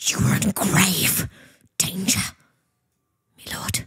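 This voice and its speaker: This is a put-on character voice, raspy and at a middle pitch. It moves at a very slow pace. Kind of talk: grave, dramatic medieval-style. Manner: solemn, warning.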